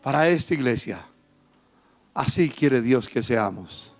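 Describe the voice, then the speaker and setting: A man preaching a sermon with passion, moving between quiet, low passages and loud, emphatic bursts. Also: expressive, takes it slowly, faint music behind. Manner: impassioned preaching, swinging from soft to loud. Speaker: pastor.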